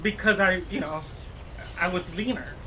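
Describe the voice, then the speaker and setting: A man in his late thirties, a streamer casually chatting with viewers while cycling and gaming, rambling and halting with many fillers. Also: high voice, background noise. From United States.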